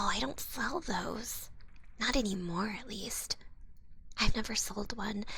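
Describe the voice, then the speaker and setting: Woman playing a breathy, sly little goblin swindler. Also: mid-range voice, full character voice. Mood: casual, sly. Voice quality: soft, breathy, often half-whispered. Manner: smooth-talking, teasing, casual haggler with gentle threats. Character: sly, cute young female goblin back-alley potion swindler. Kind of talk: ASMR roleplay, hushed and close.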